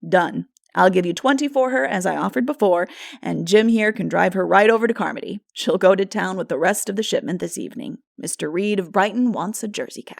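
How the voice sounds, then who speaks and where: A jovial male cattle buyer from a storybook, played by a woman reader. He is shrewd and folksy, talking business briskly in a matter-of-fact way, recorded dry and close. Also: medium pitch, creaky, dry recording. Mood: brisk, businesslike. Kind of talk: dramatic audiobook character voice.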